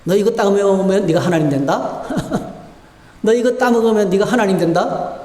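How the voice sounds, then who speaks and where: A man's voice: sits high, moderate pace, mellow, natural voice. A man voicing a sly devil who tempts with mocking dares, in an echoey church hall. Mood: coaxing.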